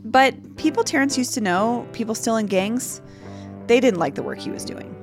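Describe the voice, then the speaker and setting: A woman host narrating a scripted news story in a clear, measured way. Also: fairly high pitch, lively intonation. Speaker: podcast host. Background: music.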